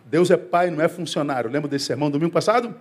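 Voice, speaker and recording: A man's voice: quick pace, slight background noise. A man from Brazil, a pastor giving a conversational sermon to his congregation, calling them brother and acting out quoted voices. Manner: acts out quoted voices, rising to high excited emphasis.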